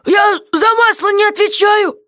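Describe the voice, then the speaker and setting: A woman voicing a gruff, grunting male jailer who yells and blusters but sounds unsure of himself. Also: very high-pitched, unhurried, dry recording, studio quality, pitched above the performer's own voice. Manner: yelling, blustering.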